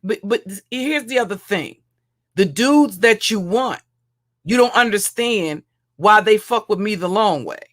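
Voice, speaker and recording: Woman streamer, deep heavy voice, taunting and crude, loops back over her own lines. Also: lively intonation, unhurried. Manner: mocking, insulting, repeats and restarts phrases. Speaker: livestream commentator. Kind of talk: profane roast rant.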